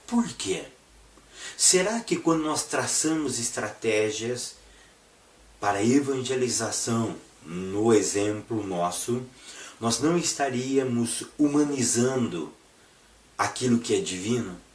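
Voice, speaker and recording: A Brazilian man with a hoarse, congested, sore-throat voice teaching an informal Bible lesson in a didactic way, posing rhetorical questions. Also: mid-range voice, expressive, takes it slowly. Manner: didactic, repeats phrases and poses rhetorical questions with check-in tags. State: hoarse, congested voice from flu and an inflamed, swollen throat. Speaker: Bible school teacher and preacher. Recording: echoey room, distant mic, faint noise.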